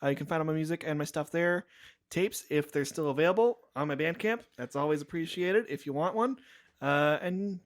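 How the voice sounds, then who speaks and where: Higher-pitched man, earnest podcast guest. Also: fairly quick. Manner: earnest, enthusiastic. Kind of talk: casual podcast chat.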